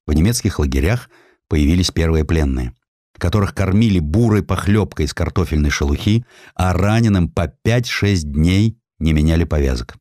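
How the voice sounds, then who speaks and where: A man reading a historical narrative as an audiobook narrator, in a measured, deliberate and dramatic way with weighty pauses. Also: deep voice, lively intonation, warm tone, no echo, clean studio sound.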